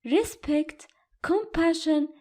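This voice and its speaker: A woman reading scripted audiobook-style narration with careful, measured enunciation. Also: high voice, a little mellow. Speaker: voice-over narrator.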